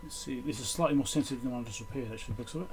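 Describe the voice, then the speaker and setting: A man with a medium-pitched voice talks through bench repair work in a casual, halting way, half to himself. A constant noise sits clearly behind his voice. The delivery is that of a technician narrating hands-on work as he goes. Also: a little mellow. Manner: muttering to himself while working, halting. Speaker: electronics repair technician presenting his own repair video.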